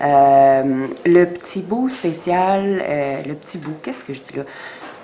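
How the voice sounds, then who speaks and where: Lively intonation comes at a very slow pace, in a Quebec accent. Noticeable background noise runs underneath. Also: woman. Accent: Québécois French. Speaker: vlogger. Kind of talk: casual vlog voiceover. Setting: home, recording while editing. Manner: halting, many fillers.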